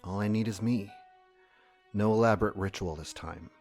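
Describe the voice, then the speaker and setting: An actor in an audio drama playing a weary, dying man who is gentle, loving and resolute, speaking in measured, soft tones. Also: lowish voice, faint music behind.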